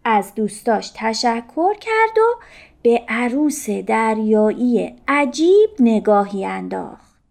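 High-voiced woman storyteller. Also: sing-song, creaky, a little mellow. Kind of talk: children's story narration.

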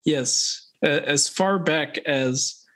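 A young man from Thailand, a podcast guest, talking in a slow, hesitant, thoughtful way with many restarts. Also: a little high, fairly bright tone. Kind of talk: casual interview chat.

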